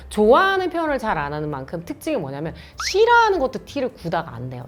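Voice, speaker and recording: Woman, Gyeongsang Korean accent, host, casual advice talk, animated, very lively pitch. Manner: animated, acts out quoted dialogue. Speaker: host giving dating advice.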